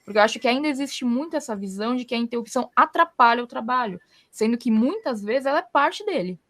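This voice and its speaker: Brazilian woman host, fairly high voice, chatty explainer leaning on everyday examples. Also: expressive, fast talker, fairly bright tone. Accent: Brazilian Portuguese. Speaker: podcast host. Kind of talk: casual conversational advice.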